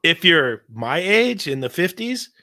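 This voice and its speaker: Excitable guy in his 50s, bright tone, talks in bursts and laughs a lot. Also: on the high side, measured pace. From California. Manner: excitable, rambling, laughs often. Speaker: podcast host. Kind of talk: casual chat.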